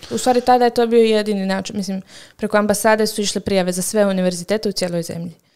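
Against a quiet background, a woman talks at a very fast pace in a medium pitch. Her tone is dark and mellow, with fairly even intonation. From Montenegro, Herceg Novi; Montenegro. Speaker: graduate student; podcast guest. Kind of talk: interview. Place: studio. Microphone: studio mic.

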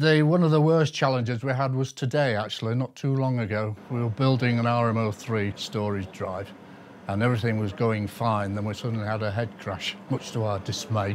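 A man speaks with a British accent. Noticeable background noise is present. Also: ordinary pitch variation, moderate pace. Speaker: retired field engineer, museum volunteer. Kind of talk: interview. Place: workshop.

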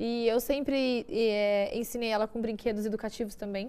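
A woman's unremarkable speaking voice, fairly high in pitch, with fairly even intonation. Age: 30s. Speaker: digital influencer. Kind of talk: casual chat.

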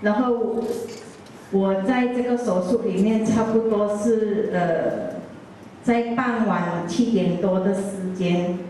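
A woman speaks very slowly, her loudness very even and her intonation fairly even. The room echoes strongly, and light background noise is present. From Malaysia, Miri (Sarawak); Sarawak, Malaysia. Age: 40s. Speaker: cancer survivor giving product testimonial; speaker. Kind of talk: testimony; personal testimony to audience. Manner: halting, with fillers.

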